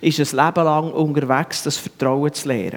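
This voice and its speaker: This man has an ordinary speaking voice. His pace is moderate and his pitch varies in an ordinary way. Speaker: preacher. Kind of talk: sermon at a confirmation-class graduation, addressing a young man directly. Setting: church. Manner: earnest, warm, encouraging, conversational with light humor; fairly even, didactic pace, explaining biblical images and repeating key points.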